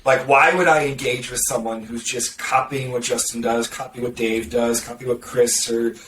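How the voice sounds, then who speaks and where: A man's voice: mid-range voice, fairly even intonation, normal speed, a bit bright. A man talking as a podcast guest in casual conversation, sarcastic and snarky, acting out other people's reactions as he talks. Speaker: podcast guest, marketing consultant. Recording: roomy, distant mic with faint background noise.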